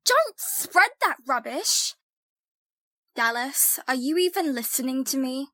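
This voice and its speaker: A woman's voice: high voice, big pitch swings, takes it slowly, pushed and bright, dry recording, full character voice. A woman playing an exasperated, bossy young twin sister, a dismissive skeptic, in an audio drama. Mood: irritated.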